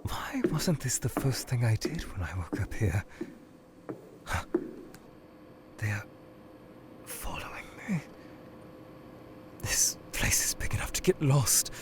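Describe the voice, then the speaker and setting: A man voicing a formal, anxious male skeleton scientist who is lost in a void, speaking in a measured way that can turn frantic and pleading. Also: medium pitch, very animated, in a whisper. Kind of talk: fan audio drama. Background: music.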